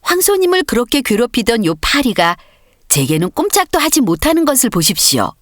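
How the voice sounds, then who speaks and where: A woman acts out a clever little spider from a storybook fable. It speaks politely but proudly, in a raised pitch. The melody is animated and the sound dry. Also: a little fast, no room sound.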